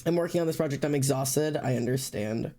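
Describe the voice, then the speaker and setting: A man's voice: mid-range voice, a little fast, mellow. A man with a stuffy, sniffly nose chatting casually on a live stream, greeting and thanking chatters by name and rambling loosely while he draws. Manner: loose, rambling with fillers and restarts. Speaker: livestream host.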